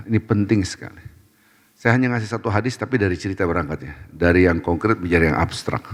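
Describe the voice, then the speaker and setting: Deep-voiced preacher in a reverberant mosque. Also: male voice. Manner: lively storytelling, acting out people in his anecdotes; sprinkles Arabic devotional phrases. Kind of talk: short mosque sermon with storytelling. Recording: long reverb of a mosque hall.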